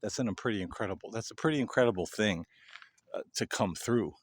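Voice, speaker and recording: A man's voice: lowish voice, fast talker, slightly rough. A man speaking casually and explanatorily to viewers as the host of a paranormal show.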